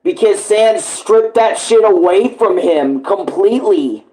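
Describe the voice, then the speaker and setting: A man with a fairly high voice gives casual live reaction commentary. He talks slowly, in a slangy, exclamatory way with plenty of swearing. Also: expressive, warm tone, poor audio. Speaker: reaction streamer.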